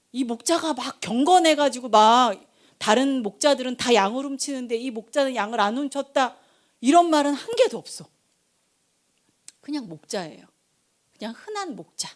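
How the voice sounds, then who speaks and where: A middle-aged woman, a junior pastor, giving a chatty sermon to children at a night prayer meeting and talking to them directly. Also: fairly high pitch. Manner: lively, chatty, switching between polite and casual speech to the kids.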